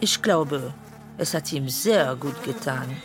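An actress playing a prim, self-justifying middle-class mother in a radio play monologue, measured and deliberate, with music behind her. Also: rumbling low, expressive, full character voice. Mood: earnest, self-justifying. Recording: loud music under the voice. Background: loud music with guitar.

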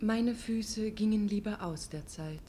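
An actress playing a tender, wistful young lover in a classic radio play, speaking softly and plaintively with a breathy voice. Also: female voice, medium pitch, a little slow, a little hiss or hum, natural voice. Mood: wistful, doubting.

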